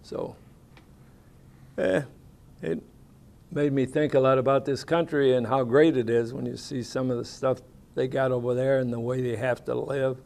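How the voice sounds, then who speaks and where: An older American man tells his service memories in a rambling, homespun way. His voice has a gravelly fry, and he often stops on "uh" between thoughts. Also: medium pitch, steady tone, normal speed, long pauses, darkish tone. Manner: rambling, plainspoken with folksy grammar and many fillers. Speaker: veteran interviewee. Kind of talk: oral history interview, casual recollection.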